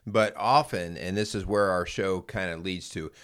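A man's voice: low-pitched, moderate pace, a bit bright, smooth. A middle-aged man co-hosting a casual radio chat show in an upbeat, teasing manner.

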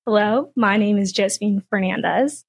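Relaxed young woman, candid answers, recorded dry. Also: mid-range voice, moderate pace, husky, no room sound. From Cincinnati. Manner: relaxed, candid, many ums. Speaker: audiology student guest. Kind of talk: casual interview answers.

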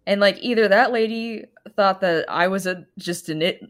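A woman co-hosting a podcast, chatting casually and telling an animated story with frequent giggles. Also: medium pitch, moderate pace. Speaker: podcast co-host. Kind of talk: casual chat.

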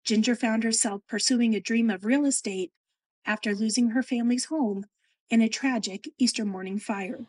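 A woman, the podcast host, reading a scripted voice-over in a measured, even delivery. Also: fairly high pitch, breathy edge. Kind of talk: scripted narration.

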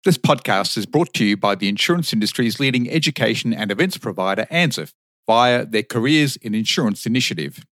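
Low-voiced male podcast host. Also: animated, fairly quick, fairly bright tone, no room sound, studio quality. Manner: chatty, conversational questioning. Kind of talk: interview podcast.

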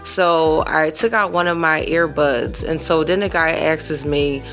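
A woman in her thirties hosting a podcast, telling a personal story in a casual, animated way with emphatic asides to her listeners. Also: deep voice, unhurried, faint music behind. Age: 30s. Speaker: podcast host.

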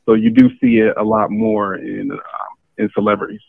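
Gravelly-voiced man on a tinny line. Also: on the low side, sing-song, dry recording. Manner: measured, explanatory, halting fillers. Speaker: guest. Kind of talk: casual discussion on a call.

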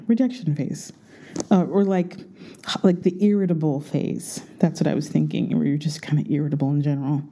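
A woman's voice: sits low, dark tone. A jet-lagged woman chatting casually and rambling to her viewers from her bedroom while recording under a blanket, which muffles her voice. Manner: chatty, rambling, self-correcting. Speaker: vlogger.

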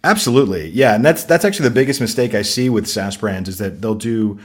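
A man's voice: lowish voice, fast talker. A man being interviewed as a guest on a podcast, talking casually and bluntly, with frequent laughs. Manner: energetic and blunt, laughs easily. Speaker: podcast guest, marketing consultancy founder.

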